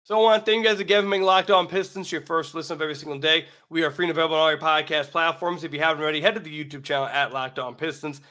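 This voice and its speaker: American guy doing solo sports podcast, sharp forceful voice, kinda high, sounds sick and losing it a bit, emphatic. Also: fairly even intonation, rapid-fire, few pauses. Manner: emphatic, repeats phrases for emphasis. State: sick, losing his voice, slightly raggedy. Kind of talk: solo basketball commentary with sponsor read.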